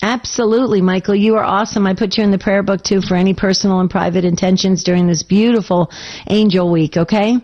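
A woman hosting a call-in radio show with a slightly scratchy voice, chatting and cheering on her callers with eager warmth of words. Her voice sits at a middling pitch, and the sound is a little dull. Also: fairly even intonation, fast. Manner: enthusiastic, affirming. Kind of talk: casual talk radio hosting.

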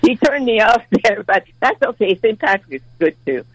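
A woman's voice: medium pitch, very animated, husky, rough recording. Ninety-year-old woman calling in. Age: 90s. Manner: halting, repeats words, chuckles often. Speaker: caller. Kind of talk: phone-in chat.

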